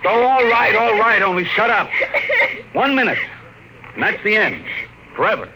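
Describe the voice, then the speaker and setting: A man's voice: sits high, sing-song, moderate pace, noisy background. An exasperated father in old radio drama. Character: exasperated father, stern then frantic, of two children. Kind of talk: 1950s radio drama acting. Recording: old 1950s radio recording, music behind.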